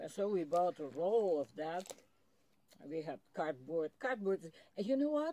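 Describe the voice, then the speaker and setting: Speaking at a fairly slow pace, a woman uses a fairly low pitch and a dark, mellow tone with very wide pitch swings, recorded with a dry sound and no echo. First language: not English. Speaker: solar cooking educator. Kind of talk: casual interview. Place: garden. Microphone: phone near.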